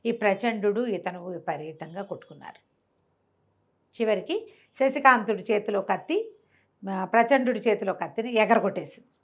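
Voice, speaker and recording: A woman's voice: mid-range voice, expressive, normal speed, long pauses. A woman with a Telugu accent telling a folk tale conversationally, explaining as she goes and acting out dialogue in her own voice. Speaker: storyteller.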